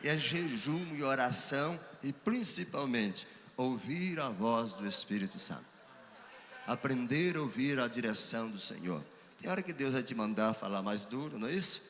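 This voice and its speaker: A man, a pastor telling his story on a ministers' panel, acting out the dialogue with lively energy. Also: mid-range voice, normal speed, slight background noise. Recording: hall reverb, faint background ambience.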